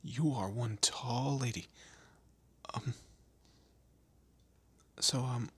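A man acts out a scared young captive of a vampire in an audio roleplay. His voice is very husky and breathy, and he speaks slowly and haltingly, stammering as he pleads. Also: medium pitch, fairly bright tone, heavily acted. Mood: hesitant, nervous. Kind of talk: amateur audio roleplay drama, one-sided dialogue.

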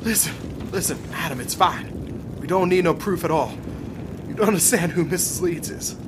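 A man's voice: moderate pace, close to an everyday voice. An actor playing an alarmed, superstitious male companion in an audio drama, urgent and pleading in a colloquial way. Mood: insistent. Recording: rumbling background noise.

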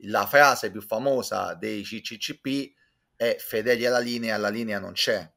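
A man's voice: fairly low pitch, normal speed, gravelly, sharp tone. A man, giving discursive, learned, self-ironic commentary as a guest on a video call. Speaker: guest reviewer, culture commentator. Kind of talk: conversational critical commentary. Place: indoors, small room with bookshelves. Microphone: video call, close to webcam.

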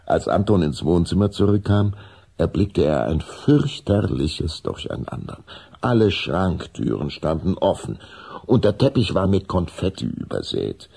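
A man as a measured storybook narrator in a children's audio drama, reading a scripted story. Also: deep voice, sing-song, creaky, mellow, breathy edge, heavily acted. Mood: narrating.

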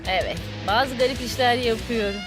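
A woman's voice: a little high, normal speed, natural voice. A woman voicing a quirky, playful young pilot in a cartoon dub. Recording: studio dub with music behind.

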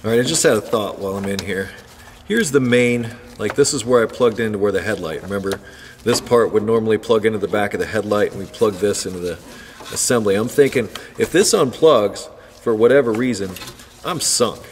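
A man's voice: fairly low pitch, a little fast. A man casually demonstrating a car repair step by step while he works, talking as he handles parts. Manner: relaxed, talks while working with hands. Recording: long reverb with faint background noise.

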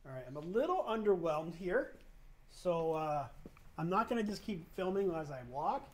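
A middle-aged man casually talking viewers through an abandoned school as he walks, calling them guys in low-key asides, on a handheld camera mic. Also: very animated, normal speed. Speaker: urban explorer vlogger. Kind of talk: casual walkthrough commentary. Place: empty abandoned school, large indoor halls and rooms.

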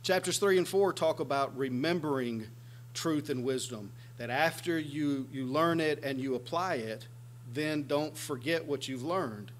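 A man's voice: a little high, measured pace. A man in his forties preaching a sermon in a small church room, earnestly explaining scripture and gesturing as he talks. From United States. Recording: faint background hum.

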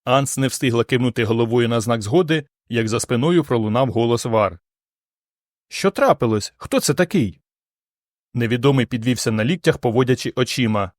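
A man narrates a science-fiction audiobook in a calm, even voice at a middle pitch. The recording is close and dry, with no room sound. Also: fairly quick, few pauses, dry recording. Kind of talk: scripted narration.

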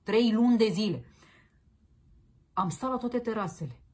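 Fairly high in pitch, slightly rough and a little mellow, this woman's voice carries a political commentary show. She rants combatively, crudely and mockingly, throwing in slang terms of address.

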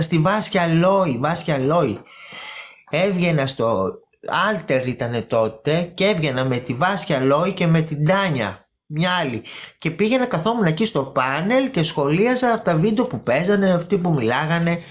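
A woman's voice: deep voice, animated. Woman, live-stream host, gossipy, chatty, repeats words for emphasis, talks to viewers by name. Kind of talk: casual live-stream chat.

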